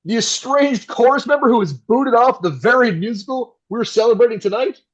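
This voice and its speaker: Man playing a high-pitched, animated radio broadcaster. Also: fairly quick, lo-fi sound. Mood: wry, showy. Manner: theatrical announcer delivery, dry sarcasm. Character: polished, nervous male live radio broadcaster, wry and showy. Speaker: radio host character. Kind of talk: old-time radio play acting.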